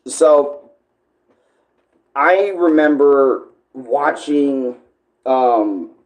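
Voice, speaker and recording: Male streamer, mid-pitched, informal and rambling, halting as he searches for phrasing. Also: poor audio. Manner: halting, searching for words, self-correcting. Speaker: online video creator and live streamer. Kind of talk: casual rambling livestream chat.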